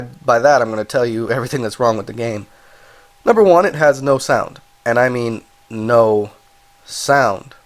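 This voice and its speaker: A man with a cold and a stuffed-up voice, casually reviewing a video game, rambling and correcting himself as he goes. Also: medium pitch. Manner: rambling, self-correcting, apologetic asides. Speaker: game reviewer, channel host.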